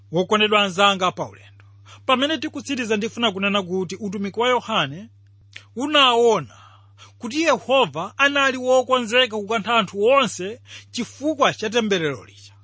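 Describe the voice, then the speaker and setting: High-pitched, husky Malawian man teaching. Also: pushed and bright, no room sound. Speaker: Bible teacher. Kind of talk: scripted radio Bible teaching.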